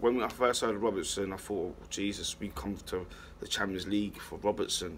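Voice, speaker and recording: Moderate pace and fairly even intonation over light background noise. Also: man. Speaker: football fan vlogger. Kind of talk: casual vlog chat. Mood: relaxed opinionated. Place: street. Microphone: phone near.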